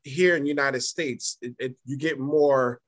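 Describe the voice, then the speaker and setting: A man hosting a podcast asks his guest to go on. He speaks at a slow, unhurried pace with a mid-range voice. He is polite and repeats his requests. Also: mid-range voice, steady tone. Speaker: podcast host. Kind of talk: casual interview questions.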